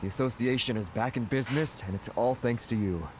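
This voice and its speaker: An actor playing an anxious, polite foreign merchant who sighs, frets and apologizes. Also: male voice, medium pitch, a little fast, background noise, close to an everyday voice. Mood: worried. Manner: sighing, fretful and apologetic.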